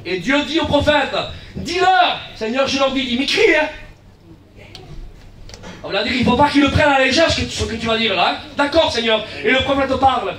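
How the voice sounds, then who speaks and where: Male pastor, very high pitch, heard from a distance in a roomy church, animated preacher. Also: fast talker, hardly any pauses. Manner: acts out dialogues, shouts key lines, drops to low asides. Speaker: guest pastor. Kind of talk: lively evangelistic sermon. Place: church hall. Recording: echoey church from far off.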